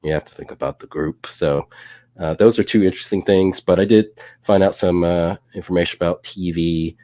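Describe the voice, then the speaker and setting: Brief: male co-host, relaxed and jokey, very deep voice, dry sound. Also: fairly quick, no echo. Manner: relaxed, many fillers, jokey. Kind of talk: casual live-stream discussion.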